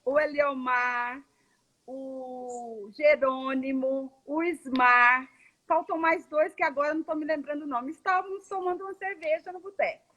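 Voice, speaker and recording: A woman from Goiânia hosts a live online interview with a high, bright-sounding voice. She talks in a chatty, storytelling way and laughs easily. The sound has the feel of a video call. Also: moderate pace, highs cut off. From Goiânia, Brazil. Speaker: host.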